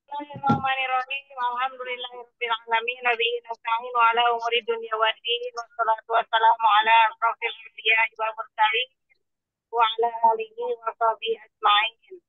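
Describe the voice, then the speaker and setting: A man recites measured prayer phrases to open his remarks, his voice coming through a thin, tinny line that keeps cutting out on a bad connection. The sound is dry and close, without any room around it. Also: extremely high pitch, no room sound. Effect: voice breaking up over a bad call connection. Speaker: invited speaker. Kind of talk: formal religious opening. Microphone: phone or online call.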